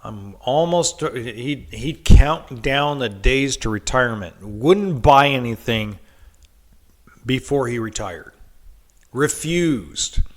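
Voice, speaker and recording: A man's voice: medium pitch, expressive, slow. A man with a head cold hosting a podcast, telling a story in a casual monologue, full of ums and restarts. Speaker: podcast host.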